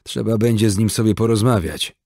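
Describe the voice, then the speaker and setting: A man voicing a gruff older mountain man who barks curt orders in an audiobook reading. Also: on the low side, fairly quick, a little mellow, dry recording, clean studio sound. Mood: commanding.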